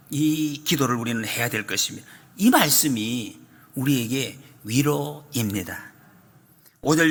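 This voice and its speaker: Male pastor, sermon, high lively pitch, long church reverb. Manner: emphatic, repeats key phrases, shifts between loud and soft. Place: church sanctuary.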